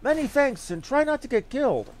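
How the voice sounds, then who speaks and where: A man's voice: very high-pitched, big pitch swings, brisk, a little mellow, voice pushed up. A man voicing a grateful, shaken fantasy coachman from a video game, reading with formal, archaic phrasing. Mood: relieved. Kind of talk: reading game dialogue aloud in character.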